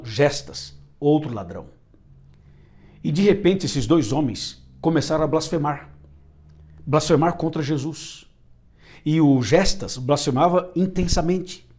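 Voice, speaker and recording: A man's voice: mid-range voice, darkish tone. A man with a Brazilian Portuguese accent preaching a sermon, emphatic and repeating phrases for effect.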